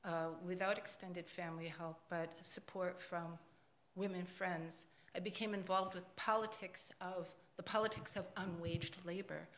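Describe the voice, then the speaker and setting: Older woman, audience comment, emphatic, lowish voice, roomy echo. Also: steady tone, moderate pace. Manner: emphatic, grows louder and forceful. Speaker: audience member at panel. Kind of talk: impassioned public comment. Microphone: handheld microphone passed in audience. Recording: echoey room.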